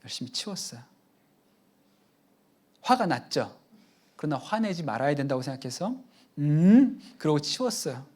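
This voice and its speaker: Male pastor, conversational sermon, lively swinging pitch, chatty asides to the congregation. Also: moderate pace, pauses often, husky. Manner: animated, chatty anecdotes with audience asides.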